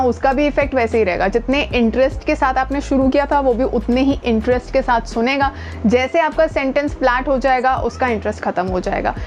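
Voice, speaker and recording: Woman, Indian accent, fairly high voice, emphatic informal teaching, code-mixed English, faint background music. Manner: conversational, emphatic, code-mixing with English words. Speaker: voice coach and video host. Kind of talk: informal instructional talk to camera. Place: outdoors near the speaker's home.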